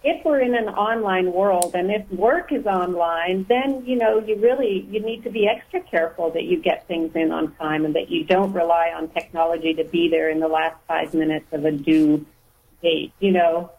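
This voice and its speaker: A woman's voice: lowish voice, moderate pace, phone-quality sound. A woman author and writing teacher, a guest on a radio show, talking casually and restarting her sentences often. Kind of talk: casual radio interview talk. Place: radio studio.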